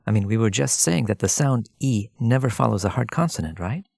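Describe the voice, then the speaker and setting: Male tutor for scripted language lesson, gravelly low register, measured and explanatory. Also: animated, darkish tone, no room sound, studio quality. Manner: measured, explanatory, addresses listener directly. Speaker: language teacher.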